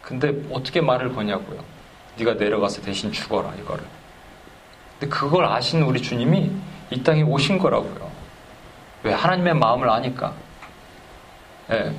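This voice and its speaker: A man preaching a sermon, animated and chuckling as he tells stories and acts out dialogues. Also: mid-range voice, slight background noise, rough recording. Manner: chuckles while telling stories. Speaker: pastor.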